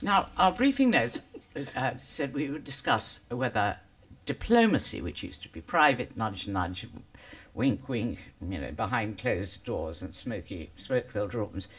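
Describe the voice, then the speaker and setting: An older woman with a deep, smoky voice, giving a witty, sardonic speech as a panelist at a conference. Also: big pitch swings, measured pace. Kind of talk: public debate speech. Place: conference hall.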